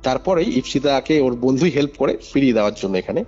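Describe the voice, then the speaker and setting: A man's voice: medium pitch, lively intonation, fast talker, darkish tone. A man telling a story informally as a caller, emphatic, repeating phrases and checking that the listener follows, over a phone. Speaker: caller recounting a paranormal case. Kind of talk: animated informal spoken storytelling. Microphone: phone call. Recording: muffled phone call recording over music. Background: music.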